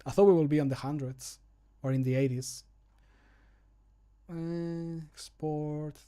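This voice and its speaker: Chatty man streaming, slightly high voice. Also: fairly even intonation, unhurried, warm tone, smooth. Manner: chatty, informal. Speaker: streamer and game modder. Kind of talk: casual livestream chat. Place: small room at home, indoors.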